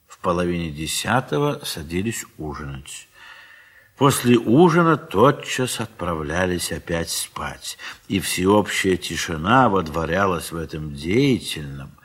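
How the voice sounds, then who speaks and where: A man with a deep, roughened voice narrates classic prose for an audio play. His delivery is measured and scripted, that of a storyteller.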